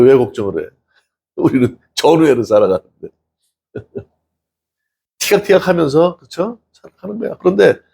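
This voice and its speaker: A middle-aged man preaches a homey, conversational sermon. His voice has a gravelly, slightly husky grain. He talks to his congregation as if chatting, tossing them questions along the way. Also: mid-range voice, a little mellow. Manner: chatty, asks the congregation questions, laughs often, acts out quotes. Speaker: pastor.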